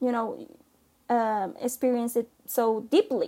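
A woman with a high voice and a Spanish accent keeps a fairly even intonation, recorded very cleanly with a silent background. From Puerto Rico, Rio Grande. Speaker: journalist. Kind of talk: casual chat.

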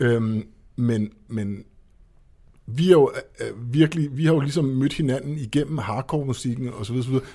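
Moderate pace and a dark, mellow tone from a man. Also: medium pitch for a man, ordinary pitch variation. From Denmark, Copenhagen suburb. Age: middle-aged. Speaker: podcast host. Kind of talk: casual chat.

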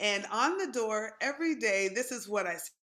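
A woman with an American accent speaks at a moderate pace and medium pitch, her tone bright and sharp. Her pitch varies in an ordinary way. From Colorado, US. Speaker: jazz musician and music teacher. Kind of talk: casual panel conversation. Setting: video call.

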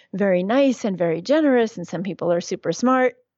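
An ordinary speaking voice from a woman with an American accent, medium in pitch, at a fairly quick pace with ordinary pitch variation. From New York City. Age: 50s. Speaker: physician, midwife and herbalist. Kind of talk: interview.

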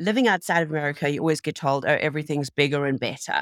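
A woman speaks very fast at a very deep, low pitch, with a South African accent and fairly even intonation. The sound is dry and close with no echo, and the recording is very clean against a silent background. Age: 50s. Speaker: healthcare executive. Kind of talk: interview.

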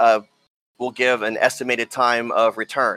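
A man's bright, sharp tone comes through on a very clean recording with a silent background and a dry, close sound with no echo. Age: 50s. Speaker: podcast guest, book fan. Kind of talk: casual chat.

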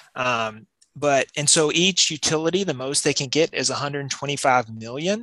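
A fairly slow man with a Southern US accent, a fairly high pitch and ordinary pitch variation. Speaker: pipeline industry guest.

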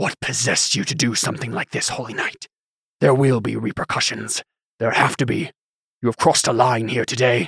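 Whispering in a raspy put-on character voice, a man goes at a fairly quick pace, with a dry, close sound and no echo. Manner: angry, accusing.

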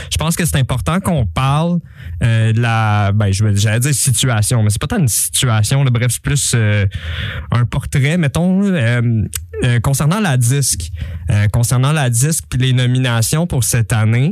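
Speaking with a Quebec accent, a man talks at a fairly slow pace with medium pitch, lively intonation and very even loudness. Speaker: radio host, rapper. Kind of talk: casual chat.

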